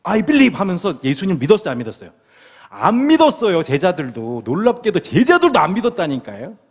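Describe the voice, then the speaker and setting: A man's voice: high voice, wildly swooping pitch, quick pace, breathy edge, long reverb tail. A man, a pastor, delivering a sermon to his congregation in a church sanctuary, playfully asking them questions as he goes.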